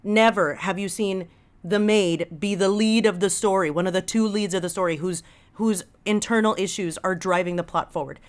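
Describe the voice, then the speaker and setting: A woman's voice: medium pitch, moderate pace. A woman guest talking casually on a podcast, emphatic and enthusiastic, with slangy phrasing. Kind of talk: casual conversational podcast talk.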